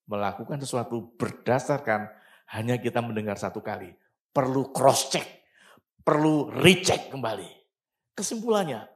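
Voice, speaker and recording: Animated Indonesian preacher, higher voice. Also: male voice. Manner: animated preaching, voice rising and falling widely. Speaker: pastor. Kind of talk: sermon. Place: church online service.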